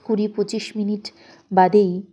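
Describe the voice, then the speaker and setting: A woman narrates a literary story with a soft, mellow tone. Her pitch sits in an ordinary middle range for a woman. She reads in a measured, expressive way, shaping the phrases for drama. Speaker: audio story narrator and presenter.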